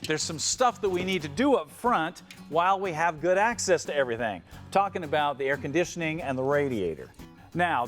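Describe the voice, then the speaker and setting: A man's voice: sits high, fairly bright tone. A man hosting an automotive build show, explaining things in a folksy, instructional way. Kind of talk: instructional TV presenting.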